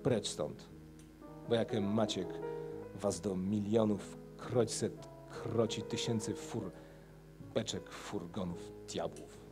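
A man playing a gruff, scornful old nobleman who speaks slowly, stressing every word, in a dramatic poetry reading. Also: lowish voice, steady tone, music in the background, pitched below the performer's own voice. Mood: scornful, grim. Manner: slow, heavy, each word stressed.

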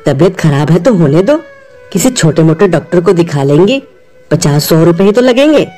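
A woman voicing a proud, sharp-tongued young daughter-in-law in a cartoon story, curt and dismissive. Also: fairly low pitch, sing-song, normal speed, soft background music. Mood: haughty. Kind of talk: Hindi cartoon moral story voice acting.

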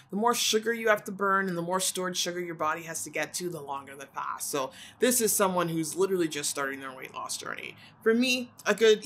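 A Canadian woman in her thirties films a casual grocery haul vlog at home in a small living room, holding the camera at arm's length. She chats emphatically and with strong opinions. Her voice is on the low side and a bit bright.

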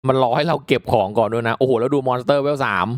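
A man giving casual, reactive commentary as he hosts a mobile game playthrough, chatting politely to viewers with excitable exclamations. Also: mid-range voice, very fast, dry recording, clean studio sound. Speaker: gaming video host.

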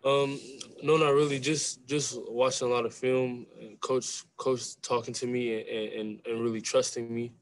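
A young man, a college basketball player, answering questions at a postgame press conference over a video call, speaking softly and often repeating words as he starts a phrase. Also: medium pitch, little pitch movement, measured pace, dry recording. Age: young adult. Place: small room with a sponsor backdrop. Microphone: video call webcam.

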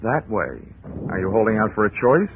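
An actor playing a wisecracking, hardboiled insurance investigator in a 1940s radio noir, dry and sardonic, on a tinny vintage recording. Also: male voice, lowish voice, sing-song, moderate pace, background noise. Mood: firm, wry.

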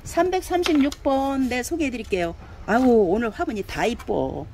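A woman's voice: fairly high pitch, very animated, moderate pace, a little mellow, slight background noise. A woman selling handmade plant pots online, chatting casually as she shows and measures each one and coaxes viewers to order. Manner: chatty, fills talk with pointing words, coaxing buyers. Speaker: online pot seller. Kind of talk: casual product showcase.

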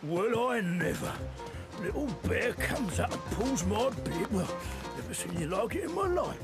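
High-pitched blustering bearded man. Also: very animated, a little slow, exaggerated voice. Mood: indignant. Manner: blustering, affronted. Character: indignant bearded man at the seaside. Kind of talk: animated children's cartoon acting. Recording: loud music under the voice.

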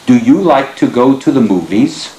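A man reads short everyday sentences aloud in a plain, measured voice of ordinary pitch. The small lab room around him adds a clear echo. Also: expressive, mellow. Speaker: researcher reading test sentences. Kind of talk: reading test sentences aloud. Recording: echoey room.

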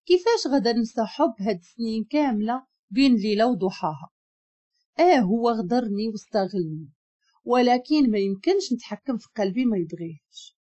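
A woman with a Moroccan accent narrating a first-person story in an expressive, emotional way. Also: fairly high pitch.

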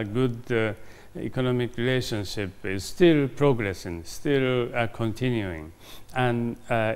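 A man's voice: fairly low pitch, clear, resonant tone. A man, a diplomat giving a formal interview, with many hesitations and fillers. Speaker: ambassador interviewed. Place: formal reception room, indoors. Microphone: lapel mic.

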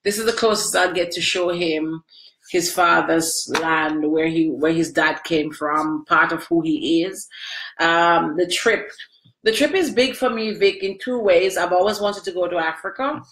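Unhurried and fairly bright, a middle-aged woman's fairly low voice carries through an echoey small room at home during a casual webcam livestream. Sniffly from crying and emotional, she answers viewers and speaks to them by name, close to the webcam.

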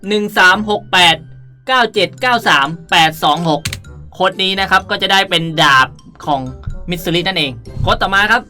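Over background music, a female gaming video host delivers playful, chatty tutorial commentary, reading item codes and using cutesy sentence endings. Her mid-range voice is animated, pushed, and bright at normal speed.

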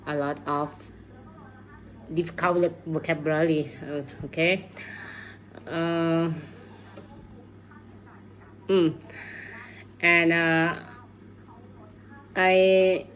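A woman's voice: sits low, level tone, extremely slow, pauses often, a little hiss or hum, rough recording. A middle-aged woman from Thailand with a Thai accent, speaking hesitant learner's English in an unscripted video message and searching for words. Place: room at home, indoors. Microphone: phone at arm's length.

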